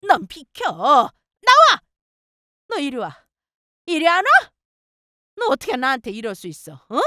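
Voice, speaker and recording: A woman voicing a bossy, spiteful older mother-in-law who yells and scolds in a shrill voice. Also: lively intonation, moderate pace, no echo, studio quality. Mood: furious.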